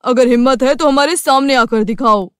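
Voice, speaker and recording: A man voicing excitable, bickering villagers in a horror cartoon, with dramatic, emphatic delivery. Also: very high-pitched, moderate pace, clean tone, dry recording, clean studio sound. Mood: challenging.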